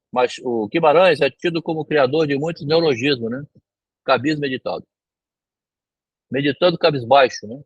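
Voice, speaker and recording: A fairly high, husky Brazilian Portuguese male voice, heard dry and close. He works through a literary passage like a lecturer, reading a line, repeating it, then explaining it in plain words with a checking tag. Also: no echo, poor audio. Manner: rereads phrases and paraphrases them, often tagging "né?".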